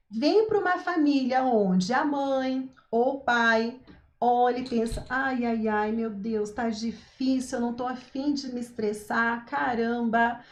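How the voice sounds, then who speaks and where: A woman with a Brazilian Portuguese accent giving a live-stream talk on parenting, animated, acting out what parents say and checking in with her listeners. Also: on the high side, roomy sound. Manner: animated, acts out parents' lines, frequent "tá?" check-ins. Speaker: parenting coach.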